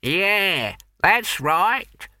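A man voicing an elderly, opinionated townsman with a high, cracking voice who grumbles indignantly. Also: very animated, very slow, bright, forceful tone, no echo, heavily acted. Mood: eager. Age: older. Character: elderly male pipe-smoking townsman, opinionated.

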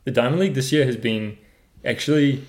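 A man's voice: medium pitch, fairly quick. A young man with a New Zealand accent, co-hosting a casual running podcast in an easygoing, joking way. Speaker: podcast co-host. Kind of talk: casual chat.

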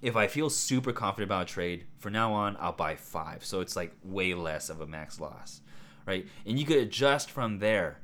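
A man hosting a solo podcast, talking in a casual, rambling way with a hoarse, raspy voice and lots of fillers. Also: low voice, normal speed. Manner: rambling, excitable, many fillers and asides. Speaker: podcast host.

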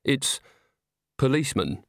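A man's voice: medium pitch, very animated, measured pace, no room sound, clean studio sound. A man reading a storybook, voicing a guarded, sneering male undercover policeman in a cool, challenging manner.

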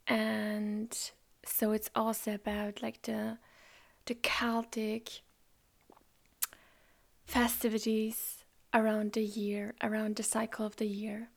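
A woman whose first language is German hosts a spiritual podcast, talking in a soft, slow, reflective way that often drops close to a whisper. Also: mid-range voice, completely flat delivery, gravelly. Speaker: podcast host. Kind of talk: calm spiritual podcast monologue.

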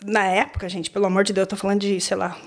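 A Brazilian woman in her thirties, an exchange agent guest, telling her story in an animated, exclamatory way in casual podcast talk. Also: mid-range voice, racing. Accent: Brazilian Portuguese.

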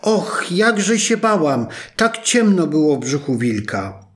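A man voicing a sweet little girl in a red hood in a read fairy tale, high and wide-eyed. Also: sing-song, a little slow. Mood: innocent.

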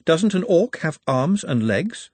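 Here is a gentle-mannered orc, all formal courtesy and exact reckoning, speaking a touch higher than the teller's usual voice, as a man puts him on. The tone stays slightly husky and close, with no room around it. He sounds calmly menacing. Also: takes it slowly, no room sound, exaggerated voice. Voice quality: formal, polite, pedantic phrasing. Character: courteous, precise male orc, menacingly calm.

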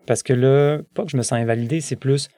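A man in his thirties from France, speaking with a Québécois accent, a guest in a casual interview who talks haltingly with many restarts and fillers. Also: mid-range voice, fairly even intonation, mellow, no room sound, clean studio sound. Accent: Québécois French. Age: 30s.

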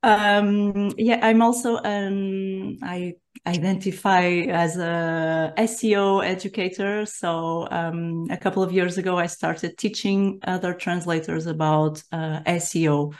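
Woman from Portugal; slow, hesitant, slightly low. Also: little pitch movement. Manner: halting, many fillers. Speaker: guest, translator. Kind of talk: casual podcast introduction.

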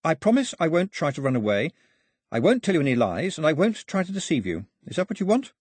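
A man's voice: fairly high pitch, big pitch swings, fast talker, darkish tone, breathy edge, no echo, clean studio sound, voice pushed up. A man voicing a brave, well-spoken young girl in a storybook, polite and precise. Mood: composed, polite.

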